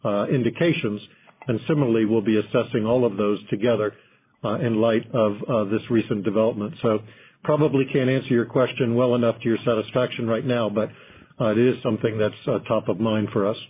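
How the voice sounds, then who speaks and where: A man speaking as a company executive on an investor call, giving measured, carefully qualified corporate answers. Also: medium pitch, steady tone, husky. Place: conference call. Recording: muffled narrow phone line.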